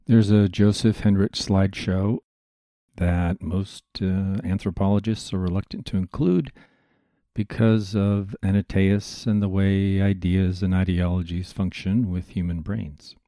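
Deep, mellow-voiced male podcast host. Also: no room sound, clean studio sound. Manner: chatty, digressive lecturing with asides. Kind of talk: scripted podcast narration.

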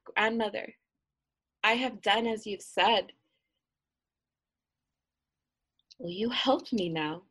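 A woman's voice: medium pitch, measured pace, fairly bright tone, slightly rough. A woman voicing a frightened, eager young village girl in a told folk tale, earnest and pleading.

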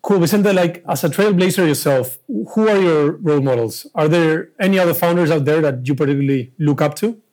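A man co-hosting a podcast, asking the guest questions in a friendly, relaxed way. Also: on the high side, brisk, few pauses. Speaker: podcast co-host. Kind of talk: interview questions.

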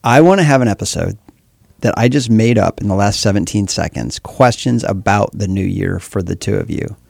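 A man with a bassy voice casually hosting a talk show in a candid, self-deprecating way. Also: moderate pace, vocal fry, darkish tone, dry recording. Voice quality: bass-heavy voice. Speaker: podcast host.

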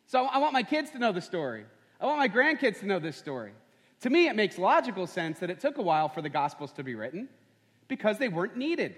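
A man's voice: sits high, sing-song, fast. A man preaching a sermon as pastor, conversational and full of rhetorical questions. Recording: long hall reverb.

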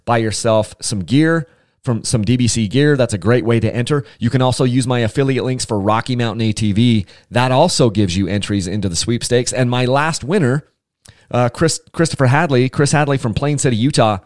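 A man's voice: medium pitch, fairly quick, darkish tone, no room sound, studio quality. A man hosting a casual solo podcast, chatty and enthusiastic, rambling with frequent restarts. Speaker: podcast host.

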